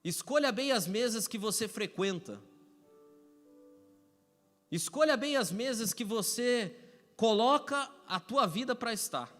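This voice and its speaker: A man's voice: very high-pitched, expressive, a little slow, pauses often, fairly bright tone, faint music behind. A Brazilian man preaching a Sunday sermon as pastor, conversational and repetitive with touches of humor. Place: church sanctuary. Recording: echoey hall reverb.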